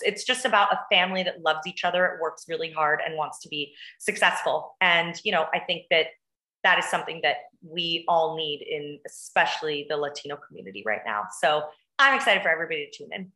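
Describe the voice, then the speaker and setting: A woman with a lowish but bright, sharp voice speaks as an interview guest. She talks in a thoughtful, measured way. The recording sounds echoey, as if made in a bare room. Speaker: cast member guest. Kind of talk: casual interview chat.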